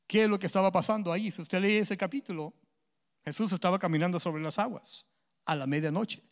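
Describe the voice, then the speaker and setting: Male pastor, very high voice, bilingual sermon delivery: each line in Spanish then English, "ah" fillers between phrases, shifts from forceful to hushed. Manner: punctuates phrases with drawn-out "ah"; swings from loud emphatic lines to hushed ones.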